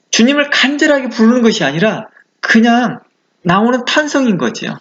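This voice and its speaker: Male pastor, conversational sermon, rhetorical questions, fairly high voice, muffled lo-fi audio. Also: a bit bright. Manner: acts out quoted exclamations.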